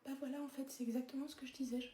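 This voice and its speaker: A woman's voice: sits high, steady tone, rapid-fire, close to an everyday voice. A woman doing Doris, a meek overlooked body part. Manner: meek, hesitant, very soft. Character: timid, ignored body part named Doris. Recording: roomy echo.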